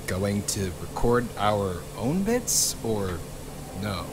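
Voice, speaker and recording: An actor playing a foul-mouthed, exasperated young physicist who curses constantly. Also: male voice, fairly low pitch, very animated, background noise. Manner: cursing, exasperated, slow.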